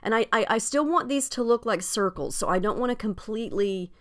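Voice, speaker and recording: A woman's voice: on the high side, expressive, brisk, fairly bright tone. Chatty woman with a slightly scratchy voice. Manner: chatty, friendly, with frequent ums. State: slightly scratchy voice after illness. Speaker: scrapbooking video host. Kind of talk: casual crafting tutorial narration.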